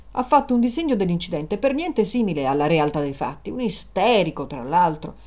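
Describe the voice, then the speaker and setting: A woman reader voicing an irritable, foul-mouthed young man at the wheel, speaking curtly. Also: medium pitch. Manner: curt, swearing, exasperated. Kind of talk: dramatized story reading.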